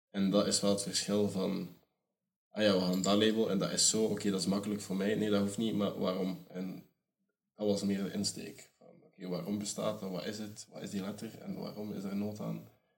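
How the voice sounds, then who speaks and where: A man speaks at a fairly quick pace in a monotone, flat intonation, with big swings in loudness and audible room echo. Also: fairly low pitch for a man. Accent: Flemish. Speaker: podcast host. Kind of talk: casual interview.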